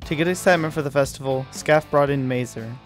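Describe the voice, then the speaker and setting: A man narrating a short documentary from a script, in an even read-aloud manner. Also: mid-range voice, quick pace. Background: light music.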